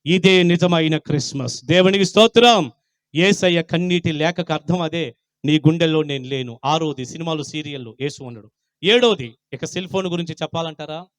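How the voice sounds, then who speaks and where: A man pastor preaching a Christmas sermon, confronting his congregation with rapid rhetorical questions, swinging from loud to quiet. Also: a little high, dry recording.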